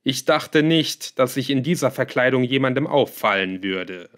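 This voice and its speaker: A man voicing a scheming male villain in an audiobook, calm, smug and lightly scornful. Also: medium pitch, normal speed, close to an everyday voice. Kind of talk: audiobook character voice.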